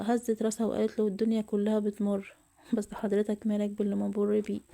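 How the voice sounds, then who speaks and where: A woman with an Egyptian accent narrating a love story in a soft, often whispered voice. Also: medium pitch. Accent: Egyptian Arabic.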